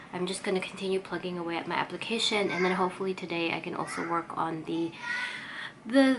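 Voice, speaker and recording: A woman speaks in a somewhat low voice that sounds congested from a cold. She chats casually like a vlogger, rambling along in a self-effacing way. Some background noise sits behind her words. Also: a bit bright. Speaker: vlogger and artist. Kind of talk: casual chatty vlog update.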